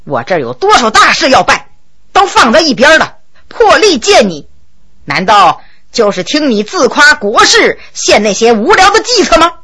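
A woman voicing a proud, quick-tempered high-ranking male minister with a commanding way of talking. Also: sing-song, sharp tone, heavily acted. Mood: angry. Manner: commanding, booming laughs.

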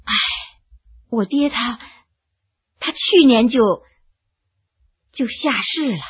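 A woman voicing a timid, poor young village wife who speaks softly and haltingly. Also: on the high side, expressive, husky, phone-quality sound, exaggerated voice. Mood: timid, sad. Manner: halting, hesitant, soft-spoken.

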